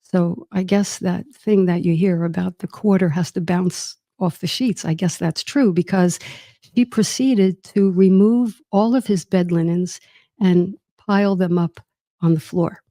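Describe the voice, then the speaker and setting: A woman's voice: lowish voice, fairly even intonation, unhurried, no echo, studio quality. Wry woman telling her family story. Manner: warm, wry and reflective. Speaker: host. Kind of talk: personal storytelling monologue.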